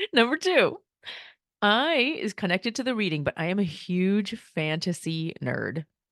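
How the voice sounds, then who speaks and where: A woman's animated voice at medium pitch, with very wide pitch swings at a fairly slow pace against a quiet background. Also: dry, close sound with no echo. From US, Korean-American family. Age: 40s. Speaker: podcast host, calligrapher and entrepreneur. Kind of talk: casual monologue. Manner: animated, laughs often.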